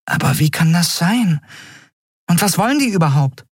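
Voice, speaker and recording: Male narrator as a small winged female creature: very high, frantic, shrill, storybook style. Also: lively intonation, moderate pace, husky, no echo, clean studio sound. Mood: panicked. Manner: panicky, shrill outbursts.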